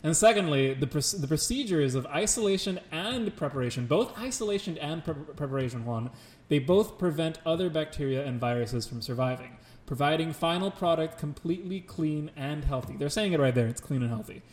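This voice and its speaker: A man's voice: on the high side, expressive, a little fast, a little mellow. A man in casual comedic chat, dry and teasing in his delivery. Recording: roomy echo with faint noise.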